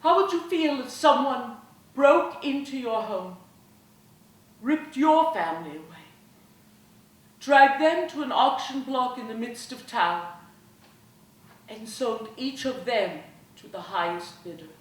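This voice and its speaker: A woman playing an earnest, gentle woman abolitionist who speaks in measured, pleading oratory, in an echoey hall. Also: on the high side, expressive, recorded from a distance. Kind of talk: one-woman historical storytelling performance. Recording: echoey hall, faint room noise.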